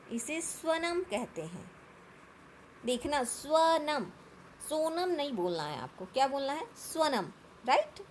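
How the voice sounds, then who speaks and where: A woman's voice: on the high side, slight background noise. A woman teaching a primary school grammar lesson. She asks the class questions, answers them herself and has them repeat sounds after her.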